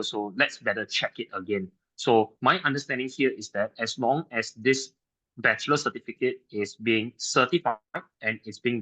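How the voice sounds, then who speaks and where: A man's voice: on the low side, bright, forceful tone, rough recording. A man answering audience questions on a panel, hedging and ending points with "right?". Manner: hedging, frequent "right?" tags. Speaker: practitioner panelist. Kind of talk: live Q&A answers.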